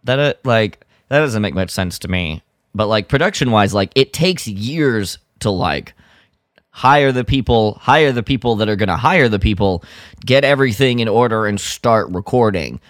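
Low-voiced man chatting, dry close sound. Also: animated, moderate pace, no echo. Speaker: podcast co-host. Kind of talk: casual chat.

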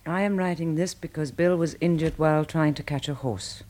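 An actress playing a sensible, caring English wife and survivor, composed and well-spoken, in a 1960s British radio drama. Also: female voice, deep voice, moderate pace, a little mellow, natural voice. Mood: sober diary narration. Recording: faintly noisy vintage radio recording.

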